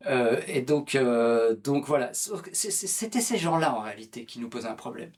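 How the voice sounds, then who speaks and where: A man's voice: medium pitch, expressive, measured pace, darkish tone, breathy edge. A man, an author being interviewed, talking in a hesitant way with many fillers and restarts. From France. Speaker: author and political activist, interview guest. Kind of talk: conversational interview.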